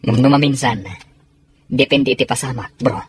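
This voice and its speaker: A man's voice: mid-range voice, normal speed, a crowd in the background, close to an everyday voice. A man playing an earnest, deferential soldier in a serial drama, speaking in a conversational, explanatory way. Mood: reproachful. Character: earnest soldier, deferential, reasoning with his comrade. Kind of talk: Ilocano serial drama acting.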